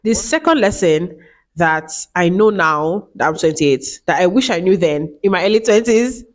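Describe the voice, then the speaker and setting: A woman's voice: on the low side, lively intonation, normal speed. Chatty woman in her late twenties. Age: 20s. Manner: chatty, repeats herself, many fillers. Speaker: vlogger. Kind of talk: casual talk to camera.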